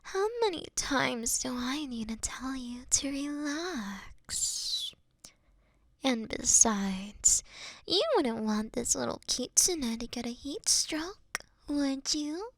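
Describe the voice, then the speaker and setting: A woman voicing a mischievous, doting fox woman in intimate roleplay ASMR, with a soft, breathy half-whisper and a coy, teasing delivery. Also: high voice, lively intonation, slow, dry recording, full character voice. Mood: teasing, sultry.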